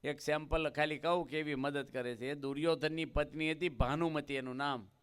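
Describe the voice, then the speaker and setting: A man's voice: fairly high pitch, fairly even intonation, moderate pace, clean tone. A man with a Gujarati accent giving a devotional discourse as a swami, telling scripture stories in a folksy way, acting out their dialogue and asking the audience questions.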